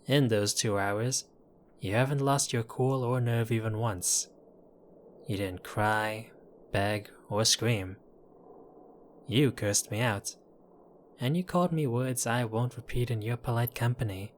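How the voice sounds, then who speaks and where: Man acting as a gentlemanly mafia boss, slow delivery, flirtatious, wry, apologetic, intimate audio drama. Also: mid-range voice, slight background noise, lightly acted. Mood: flirtatious, admiring. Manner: unhurried, flirtatious, wry, addressing listener as doll. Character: apologetic, charming mobster, exasperated yet courteous. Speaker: voice actor in audio roleplay.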